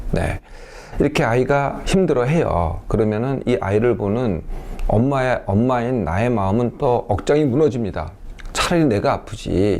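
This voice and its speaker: An older male doctor giving health advice to parents. He explains calmly and deliberately, often stopping to affirm himself and putting rhetorical questions to his listeners. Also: on the low side. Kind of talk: talk to parents on a health channel.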